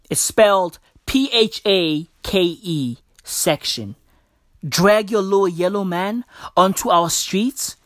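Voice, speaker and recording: Slow slangy South African podcaster. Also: male voice, high voice, fairly bright tone, no echo, clean studio sound. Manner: slangy, keeps saying bro and bruv. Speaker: podcast host. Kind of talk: casual solo podcast commentary. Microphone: podcast mic.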